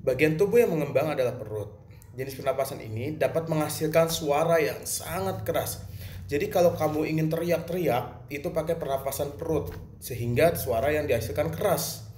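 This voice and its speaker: A man's voice: a little high, brisk, darkish tone, a little hiss or hum. A male teacher with a Jakarta accent explains a music lesson plainly, asking and answering his own questions. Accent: Jakarta Indonesian. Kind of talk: recorded lesson for students. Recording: roomy with faint ambience.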